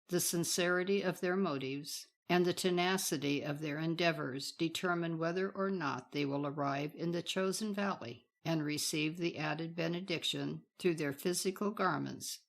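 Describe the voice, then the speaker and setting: A woman's voice: deep voice, gravelly. A woman reading a scripted spiritual teaching in a solemn, reverent, formal manner.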